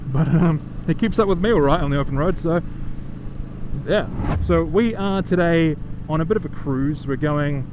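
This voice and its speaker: A man's voice: a little high, moderate pace, background noise. A man with a New Zealand accent chatting casually to viewers from inside a motorcycle helmet as he rides. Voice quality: muffled closeness of speaking inside a helmet. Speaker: motovlogger. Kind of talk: casual chat to viewers while riding. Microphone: microphone inside the helmet. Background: music.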